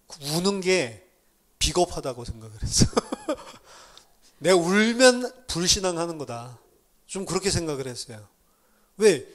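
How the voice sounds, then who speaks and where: Animated Korean pastor, slightly high voice. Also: male voice, unhurried, long pauses. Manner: animated storytelling with laughs. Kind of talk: sermon. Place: church.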